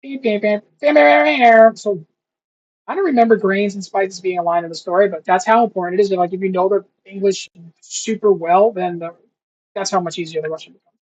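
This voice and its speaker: A young man with a husky, slightly breathy voice talks to himself while studying, drifting between chatty asides and slow, careful attempts at new words. The sound is dull and lo-fi, like a cheap home setup. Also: high-pitched, steady tone. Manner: rambling, thinks aloud, sounds out foreign words slowly. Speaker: language learner vlogger. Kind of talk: casual self-talk while studying. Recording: dull lo-fi recording.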